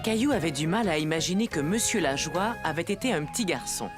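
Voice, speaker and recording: A woman's voice: lowish voice, lively intonation, brisk, over music. A woman narrator reading scripted storybook narration for a children's cartoon.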